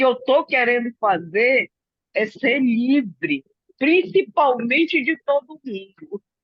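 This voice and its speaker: A woman's high voice with very wide pitch swings, at a very slow pace. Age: 60s. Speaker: study group participant. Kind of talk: casual group discussion.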